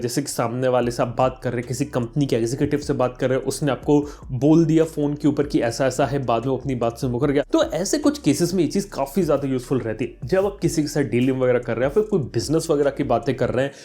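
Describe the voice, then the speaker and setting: In a conversational explainer vlog, a tech YouTuber with a medium-pitched, dark-toned voice speaks straight to his viewers. He mixes English terms into the commentary.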